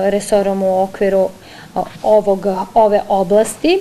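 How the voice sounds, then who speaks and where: Someone speaks at a moderate pace over light background noise. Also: woman. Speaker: city council spokesperson. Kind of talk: press statement. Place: office. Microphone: handheld.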